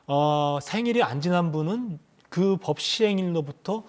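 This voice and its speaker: Slightly high-voiced male panel guest. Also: expressive, a little slow. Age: 50s or younger. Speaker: panel guest, former lawmaker. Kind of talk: conversational explanation on a current affairs panel. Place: broadcast studio.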